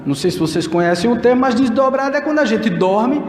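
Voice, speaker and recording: A man's voice: very high-pitched, animated, fast, slight background noise. A man giving a spiritist lecture from a pulpit, speaking earnestly and directly to the audience. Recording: echoey hall with long reverb.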